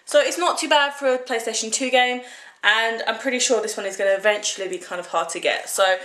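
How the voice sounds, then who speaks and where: A woman's voice: a little high, fairly quick, pushed and bright, roomy sound, rough recording. A young British woman in her twenties, chatting casually and rambling through a haul vlog. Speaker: vlogger.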